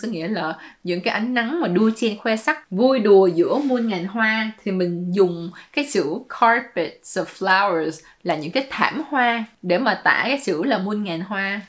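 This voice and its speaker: A woman, giving casual, playful commentary as a YouTuber explaining her song-lyric translations and dropping English words into her talk. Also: medium pitch.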